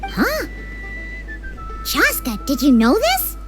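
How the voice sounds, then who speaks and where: A woman voicing a tiny, excitable, childlike girl companion in an anime video game, squeaky and exclamatory. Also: slow pace, heavily acted. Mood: surprised, curious. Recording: music clearly playing behind studio dialogue.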